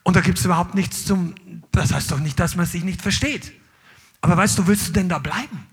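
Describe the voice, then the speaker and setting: A middle-aged man preaching a sermon to a congregation, swinging between loud calls and low asides. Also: fairly quick, breathy edge. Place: church hall with live congregation.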